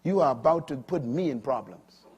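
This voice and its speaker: An older man preaching a sermon, swinging from loud emphatic peaks to quiet low asides. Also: animated, moderate pace, husky.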